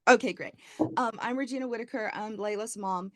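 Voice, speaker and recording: Brisk woman from California, parent. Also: fairly high pitch, fairly bright tone. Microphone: video call.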